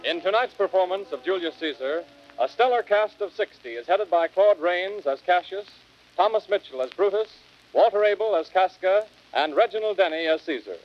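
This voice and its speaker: High-voiced man announcing on vintage radio. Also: expressive, moderate pace. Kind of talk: formal 1930s radio announcing. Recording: dull, band-limited vintage radio recording.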